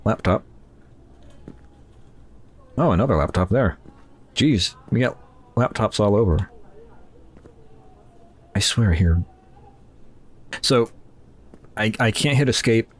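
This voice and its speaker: A man's voice: on the low side, expressive, slow pace, pauses often. Rambling man playing a horror game. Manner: rambling, self-mocking, reads in-game text aloud. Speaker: gaming channel host. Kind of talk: casual let's play commentary.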